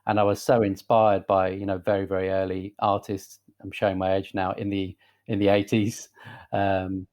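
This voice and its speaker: A man in his forties with a softened northern English accent, a guest talking casually in a podcast interview, relaxed and hesitant, with many fillers and restarts. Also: deep voice, moderate pace, highs cut off. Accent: Northern English, softened by southern England. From northern England. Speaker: guest, creative director.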